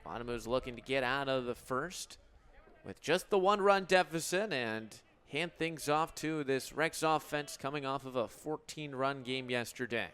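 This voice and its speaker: A man's voice: mid-range voice, normal speed, a bit bright, smooth. A young American man in his twenties calling baseball play-by-play for radio in clipped, descriptive phrases. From United States. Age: 20s. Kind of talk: radio sports commentary.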